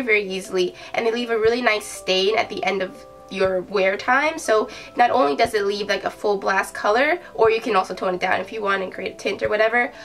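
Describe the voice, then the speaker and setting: A woman's voice: mid-range voice, vocal fry, fairly bright tone. A young woman with a nasal voice from a cold, chatting casually and enthusiastically as she reviews beauty products. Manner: chatty, enthusiastic, many fillers. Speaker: beauty vlogger. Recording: voice from a distance with faint music.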